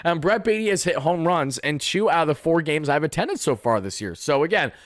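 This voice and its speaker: A young man, hoarse from yelling, chatting through a baseball game recap for live viewers in a casual, boastful way. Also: fairly high pitch, sing-song, brisk, no room sound, clean studio sound. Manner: chatty, boastful fan banter. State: raspy from yelling. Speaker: sports fan channel host.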